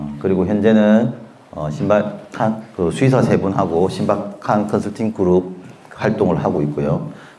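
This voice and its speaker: A man with a fairly low voice is heard with audible room echo and noticeable background noise. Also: ordinary pitch variation, fairly slow pace. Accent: strong Gyeongsang. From South Korea, Gyeongsang region. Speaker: pig farming consultant. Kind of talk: seminar lecture. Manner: frequent filler hesitations.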